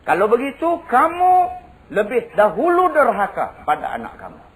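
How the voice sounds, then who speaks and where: A preacher playing a stern wise caliph. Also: male voice, very high voice, huge pitch swings, normal speed, voice pushed up, full character voice, low-quality recording. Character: stern, wise old caliph judging a dispute.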